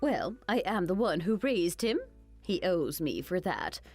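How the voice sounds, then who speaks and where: A woman voicing a cruel, greedy older mother-in-law who mocks and insults in an animated story. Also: fairly low pitch, a little slow, faint music behind. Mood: sneering. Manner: sneering, insulting, mocking.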